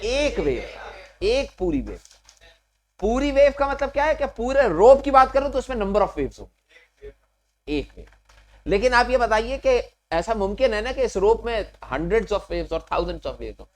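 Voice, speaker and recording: A man's voice: high voice, sing-song, a little slow. A man teaching physics to a class, explaining step by step and often stopping to ask the students questions. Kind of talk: classroom lecture.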